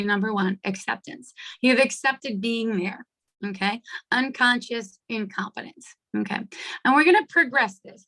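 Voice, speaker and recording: A middle-aged woman with a hoarse voice leading an online coaching workshop on a video call, chatty and checking in with her listeners often. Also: a little high, pushed and bright, poor audio. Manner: chatty, checks in with "right?" and "okay?". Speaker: workshop leader. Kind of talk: live online coaching talk.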